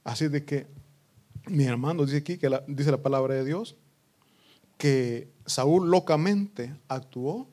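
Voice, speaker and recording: Man preaching with sudden loud outbursts. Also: fairly high pitch. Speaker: pastor. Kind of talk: sermon.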